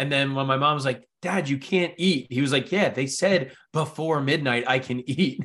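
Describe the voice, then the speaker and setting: Hardly pausing, a man with an unremarkable speaking voice talks at a moderate pace in a fairly high pitch with ordinary pitch variation. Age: 30s. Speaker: stand-up comedian. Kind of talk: casual chat.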